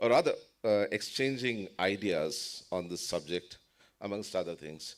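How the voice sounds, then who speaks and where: Ordinary pitch variation in a Keralan accent, on a very clean recording with a silent background. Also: man. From India, Kerala (Kannur). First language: Malayalam. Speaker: judge. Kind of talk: conference speech. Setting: conference hall with audience. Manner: hesitant, many fillers.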